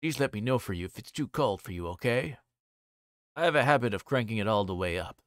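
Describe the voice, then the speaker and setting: A man's voice: fairly low pitch, animated, brisk, no echo, clean studio sound, natural voice. A man voicing a politely insistent older police detective with leading questions, as he reads a visual novel. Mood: coaxing, polite. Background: music behind the voice.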